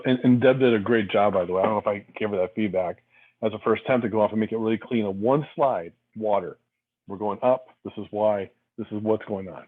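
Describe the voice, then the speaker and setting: Man, committee member, emphatic, rambling, husky, tinny phone line. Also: fairly low pitch. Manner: emphatic, rambling, restarts often. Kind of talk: public meeting comments.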